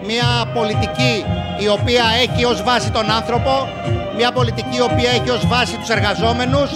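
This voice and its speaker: A man's voice: extremely high pitch, steady tone, loud music behind the voice. A middle-aged man, a politician, speaking in repetitive, speech-like phrases to a reporter in a busy expo hall, into a handheld mic. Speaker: member of parliament. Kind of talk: press statement. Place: busy indoor expo hall with crowd behind.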